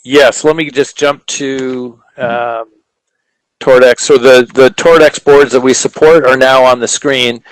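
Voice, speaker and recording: A man with a mid-pitched voice answers technical questions about products. He explains in a measured way, stopping to think between phrases, and the sound is dry with no room echo. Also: fairly even intonation. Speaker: company presenter answering questions.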